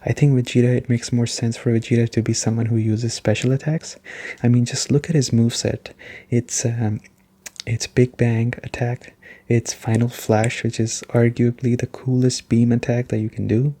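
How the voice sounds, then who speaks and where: Male ASMR gaming reviewer: soft-spoken, warm and relaxed tone, informal rambling explanations. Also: medium pitch, moderate pace. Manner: rambling, explanatory, often checking in with "right?".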